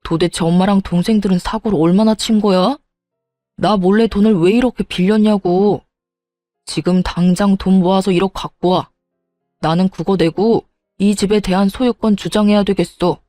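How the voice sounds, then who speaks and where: A woman's voice: medium pitch, fairly even intonation, normal speed, warm tone, no room sound, soft background music, lightly acted. A woman voicing a hot-headed grown son who whines and blames his mother in a storybook reading. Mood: exasperated. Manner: whiny, exasperated.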